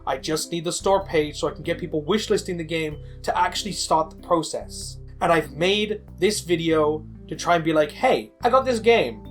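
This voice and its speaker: Higher-pitched man, candid and conversational. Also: moderate pace, few pauses, a bit bright, faint music behind. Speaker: indie game developer and video creator. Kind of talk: personal storytelling voice-over for a video.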